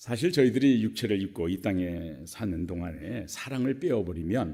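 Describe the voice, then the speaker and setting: Audible room echo surrounds a man whose dark, mellow tone carries lively intonation. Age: 60s. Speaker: retired pastor, guest preacher. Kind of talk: sermon. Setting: church.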